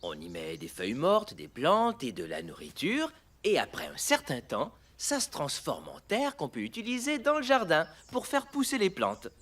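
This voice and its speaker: A man voicing a kind, patient cartoon dad, gently explaining things and encouraging his young son. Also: high-pitched, wildly swooping pitch, normal speed, heavily acted. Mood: patient, friendly.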